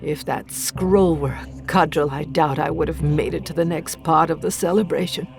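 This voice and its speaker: A woman playing an accused village healer, bitter and defiant, narrating a horror audio drama gravely and deliberately in a creaky voice. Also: low-pitched, steady tone. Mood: defiant, anguished. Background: faint music.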